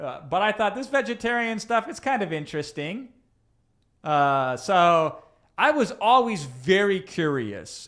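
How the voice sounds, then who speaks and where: Recorded very cleanly against a silent background, a man with a Midwestern accent speaks at a moderate pace in an animated tone, his pitch swinging very widely. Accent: American Midwest. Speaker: entrepreneur. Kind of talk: casual talk, storytelling.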